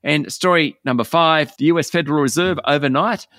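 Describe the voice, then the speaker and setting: An Australian man presenting a scripted market news bulletin, briskly and with emphasis as he opens each item. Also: fairly high pitch, a bit bright, no room sound, clean studio sound.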